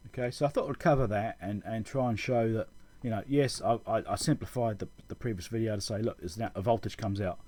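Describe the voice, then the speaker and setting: The voice is a man's, fairly low and warm, delivered briskly with few pauses. He hosts electronics repair videos and talks through schematics informally, thinking aloud as he teaches.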